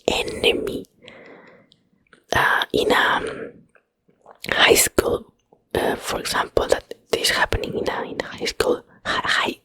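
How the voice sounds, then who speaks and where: Female ASMR host, Spanish accent, native Spanish speaker. Breathy whisper, dry and close-miked, hesitant casual rambling. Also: a bit bright, dry recording, rough recording. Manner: hesitant, rambling, searching for English words. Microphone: close microphone.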